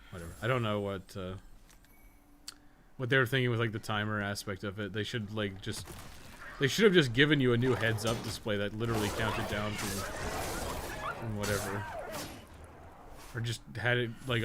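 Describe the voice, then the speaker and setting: A man's voice: on the low side, noisy background. A young man chatting casually as he streams a game, rambling and swearing, with an easy laugh. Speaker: game streamer, podcast co-host. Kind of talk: casual chat while gaming live.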